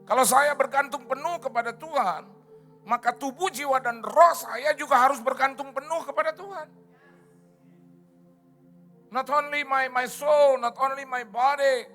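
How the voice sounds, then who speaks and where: A middle-aged man preaching a sermon in a church, animated and dramatic, swinging his voice up and down and slipping English phrases into his talk. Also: very high voice, a little slow, long pauses, soft background music. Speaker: pastor.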